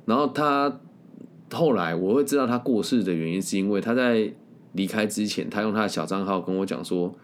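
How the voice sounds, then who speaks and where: A man, a career-planning coach, telling a story in a casual monologue. He talks bluntly and candidly and often ends sentences with drawn-out particles. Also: lowish voice, slight background noise.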